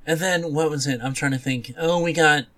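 Guy podcast co-host, slightly high voice, casual film talk, keeps restarting his thoughts. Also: fairly even intonation, fairly quick, a bit bright. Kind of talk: casual movie chat.

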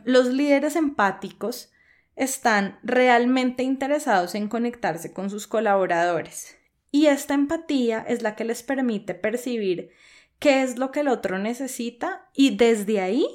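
A woman's voice: fairly high pitch, expressive, unhurried. A woman podcast host teaching coaching skills for leaders, explaining step by step and often checking in with a questioning "¿sí?". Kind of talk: instructional podcast talk.

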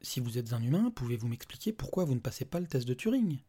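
A man voicing a calm male robot official who speaks in an even, detached, bureaucratic way with a husky voice. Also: medium pitch, fast talker.

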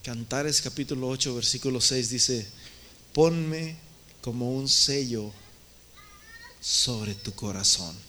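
A man's voice: mid-range voice, slow pace, pauses often, bright, forceful tone, slight background noise. A man preaching a sermon as pastor, calling his listeners brothers and swinging his voice up and down for emphasis. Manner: addresses listeners as brothers, rising and falling emphasis. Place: church in the United States.

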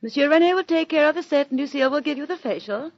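A prim salon receptionist with a high, polite voice, all formal courtesy. The sound is dull, like an old radio broadcast. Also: female voice, lively intonation, quick pace. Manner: crisp, formal, deferential. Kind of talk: 1940s radio acting.

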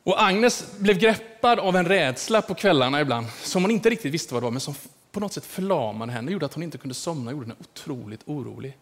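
Man, sermon, anecdotal and conversational, higher voice, long reverb. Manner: storytelling, warm anecdotes, many fillers. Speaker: preacher. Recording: long echoey hall reverb.

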